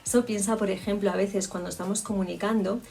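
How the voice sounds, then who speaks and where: Creaky-voiced woman coaching speech. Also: medium pitch, steady tone, quick pace, darkish tone, far from the mic. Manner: reflective, explanatory, with frequent restarts. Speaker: public speaking coach. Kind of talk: spoken lesson on communication.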